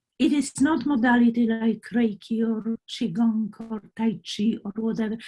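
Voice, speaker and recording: A woman speaks slowly at a fairly high pitch, her intonation fairly even. Her tone is dark and mellow, with some breathiness. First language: not English. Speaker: dowsing teacher and healer. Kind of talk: lecture. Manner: halting.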